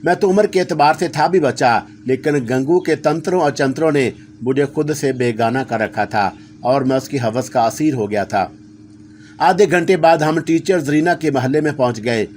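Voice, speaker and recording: A man's voice: mid-range voice, normal speed, darkish tone, a little hiss or hum. A man telling a first-person horror story in a dramatic, scripted narration style.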